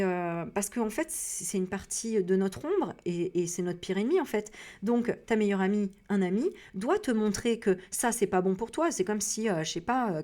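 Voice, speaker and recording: A woman from France giving a casual spiritual reading, rambling with many hesitations and frank, animated asides. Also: medium pitch. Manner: rambling, full of hesitations and fillers. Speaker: psycho-energy practitioner and medium.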